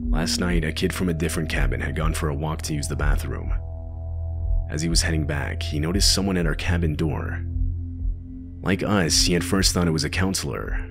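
Very deep, gravelly male narrator. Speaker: horror story narrator. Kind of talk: scripted narration.

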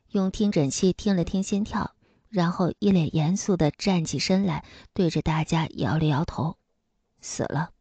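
A woman narrating a novel as an audiobook in a steady storytelling manner. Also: mid-range voice, no echo.

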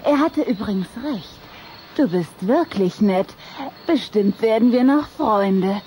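A young vampire girl of noble airs, vain and coquettish, in a children's audio drama. Her pitch sits in an ordinary female middle range, with slight noise behind her. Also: animated, slow, dark tone. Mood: self-satisfied.

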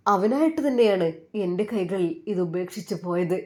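In a spoken storybook, a woman reader voices a devout older Arab woman who is kind and motherly, pleading in prayer and speaking softly to comfort others. Her voice is lowish and expressive at normal speed, with a mood of pleading prayer.

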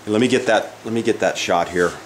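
The older man here is a woodworking instructor giving a casual shop demonstration; his voice is on the low side and fairly quick. He thinks aloud as he works, restarting his sentences frequently, and background noise runs throughout.

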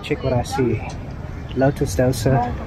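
A man's voice: medium pitch, very animated, a little slow. A man casually talking to his viewers as he films a walking tour through city streets on an action camera. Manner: chatty, talks to viewers as guys. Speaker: travel vlogger. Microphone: action camera mic while walking. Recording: loud outdoor street noise. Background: loud street traffic.

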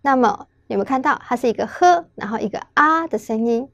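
A woman with a Taiwanese Mandarin accent gives a patient, step-by-step pronunciation lesson. She poses questions and answers them herself. Her voice sits fairly high, and it is recorded close and dry with no room sound. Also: fast talker, vocal fry, no room sound, muffled recording. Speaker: Korean language teacher.

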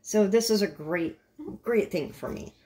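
Slow-talking middle-aged woman hosting. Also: mid-range voice, dark tone. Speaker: host. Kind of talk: casual interview chat.

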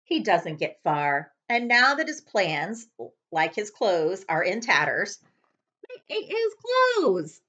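Female children's librarian, thirties, animated read-aloud with very varied pitch, slightly dull webcam sound. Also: slow pace. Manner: expressive, dramatic storytelling. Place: living room, on a couch.

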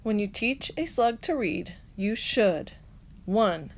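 Slow, clear woman reading a picture book. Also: medium pitch, expressive. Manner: slow, clear storytelling with sing-song rhymes. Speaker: teacher reading aloud. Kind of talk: children's picture book read-aloud.

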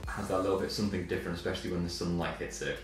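A man's voice: sits low, steady tone, rapid-fire. A young man with an English accent chatting casually, a bit hesitantly, as an interviewee while playing a video game. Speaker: interviewee, car owner. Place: living room, indoors. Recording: echoey room, distant mic, faint music.

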